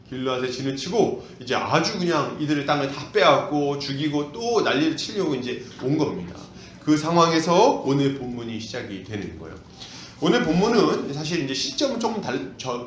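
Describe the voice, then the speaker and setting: Animated male pastor preaching. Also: on the high side, echoey room, slight background noise. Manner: animated, asks the congregation questions. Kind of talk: expository sermon. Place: church.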